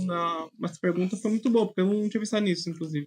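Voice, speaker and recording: A man talks in a high voice. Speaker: film and TV editor. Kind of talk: interview. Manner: halting.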